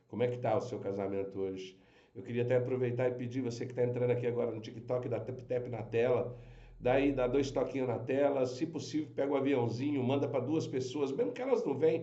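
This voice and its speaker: With audible room echo and noticeable background noise, a man talks at a medium pitch. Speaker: pastor. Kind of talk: livestream talk to viewers. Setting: live stream. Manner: quiet today.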